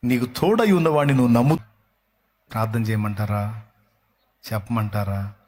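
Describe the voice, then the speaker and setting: A man preaching a sermon with a coastal Andhra Telugu accent. He talks in animated bursts and acts out back-and-forth dialogue with God. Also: on the low side, normal speed. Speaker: pastor. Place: church hall.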